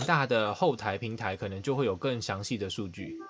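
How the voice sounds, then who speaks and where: A man speaks at a moderate pace. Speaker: podcast co-host. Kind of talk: casual chat while playing online games. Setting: online video call. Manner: calm.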